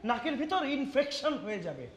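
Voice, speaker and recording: A man's voice: very high-pitched, big pitch swings, fairly quick, a little hiss or hum. An actor playing an irritable young man who answers with sarcastic jabs. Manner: sarcastic, snappish. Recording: echoey room with music.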